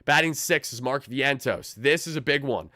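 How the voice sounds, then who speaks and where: A young man with a raspy, hoarse voice from shouting, hosting a pregame live stream and talking fast and fired up as a fan. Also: mid-range voice, expressive, no room sound, studio quality. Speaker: sports channel host.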